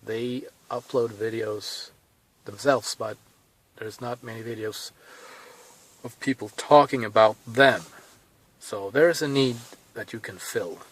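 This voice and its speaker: A man in his thirties with a Swedish accent, talking casually to camera from inside a car, thinking aloud with pauses and restarts. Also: fairly low pitch, steady tone, low-quality recording. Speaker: vlogger.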